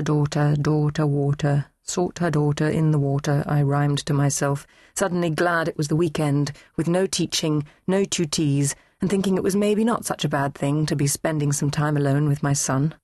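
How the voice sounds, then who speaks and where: A woman reading a novel aloud in first person, measured and composed. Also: low-pitched, a little mellow, dry recording. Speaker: audiobook narrator. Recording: dry, close studio read.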